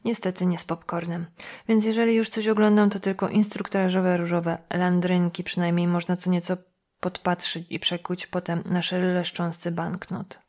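A woman's voice: on the low side, level tone, moderate pace, a little mellow, lightly acted. A woman reading an audiobook voices a brash, street-smart woman who talks in a coarse, mocking way. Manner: coarse, sneering, blunt. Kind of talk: audiobook dialogue.

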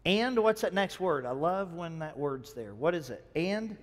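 Pastor guy preaching, high voice, acts out the story, lots of church reverb. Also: moderate pace. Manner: animated storytelling, calls on the congregation to respond. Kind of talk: sermon.

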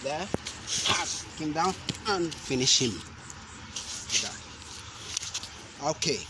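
A young man demonstrating self-defense moves, explaining each step slowly and deliberately, with sharp shouted cries on the strikes. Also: a little high, animated. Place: outdoor concrete court. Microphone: camera mic at a distance. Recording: outdoor noise from a camera mic.

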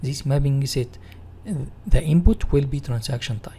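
A man with an Egyptian Arabic accent giving a software tutorial in non-native English, reading and rephrasing as an instructor. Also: medium pitch, normal speed, breathy edge.

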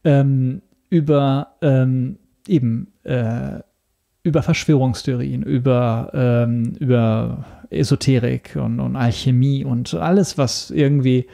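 A man speaks casually as a guest in an interview. His voice is mid-pitched, mellow and a little gravelly, and he moves hesitantly, searching for words between pauses. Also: fairly even intonation. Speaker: podcast guest, radio drama maker.

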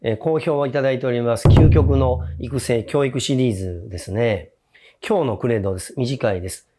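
A man with a Kansai accent, an educator and former junior high teacher, giving a morning motivational talk with emphatic repetition. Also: fairly quick, very noisy. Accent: Kansai Japanese. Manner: animated, emphatic, repeats key phrases.

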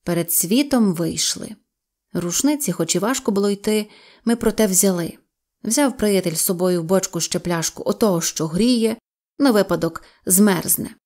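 A woman reading a humorous story aloud as a storyteller, lively and playful. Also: medium pitch, moderate pace. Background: faint guitar music.

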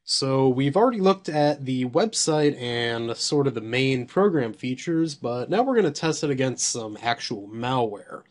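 Man, slightly hoarse from losing his voice, unhurried offhand delivery, thinks aloud and swears at surprises while reviewing software. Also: medium pitch, expressive. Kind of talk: casual screen-recorded software review.

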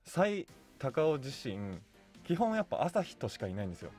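A man's voice: medium pitch, very animated, normal speed, darkish tone, soft background music. A man talking casually as a radio guest, earnest, feeling his way through his phrases. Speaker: guest voice and stage actor. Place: radio studio, masked at a table. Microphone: studio boom microphone.

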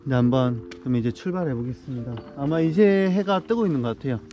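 A young man chatting casually to a camera held at arm's length as he vlogs outdoors by a river and a jungle waterfall, upbeat and quick to get excited. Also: medium pitch, lo-fi sound, slight background noise. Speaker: travel vlogger. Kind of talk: casual travel vlog.

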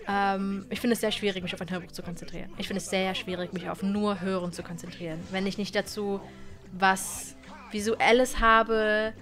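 A woman's voice: mid-range voice, moderate pace, faint music behind. Chatty young woman streamer. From Germany. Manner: chatty, animated, stumbles and repeats words. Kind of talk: casual chat with viewers. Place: gaming room with colored wall lights. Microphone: studio mic on boom arm.

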